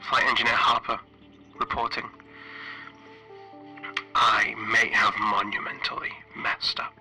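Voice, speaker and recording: A stranded spaceship engineer acted by a man records a log in a very bright, tense voice with a radio-like edge. He is weary and guilt-ridden, speaking haltingly and doubting himself. Music plays behind this horror roleplay. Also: mid-range voice, rough recording. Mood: shaken, regretful. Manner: halting, hesitant, self-questioning. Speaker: solo tabletop RPG player.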